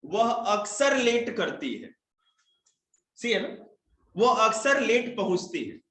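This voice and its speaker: A man's voice: high voice, sing-song, slow pace, a bit bright. A man with a Hindi accent teaching grammar to a classroom of children, joking and quizzing pupils by name. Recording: echoey room, faint noise.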